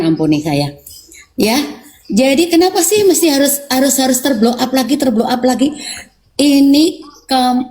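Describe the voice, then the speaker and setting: A woman talking as a guest on a live stream, upset and rambling, with halting restarts. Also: medium pitch, a little mellow, a little hiss or hum. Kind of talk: emotional live stream talk.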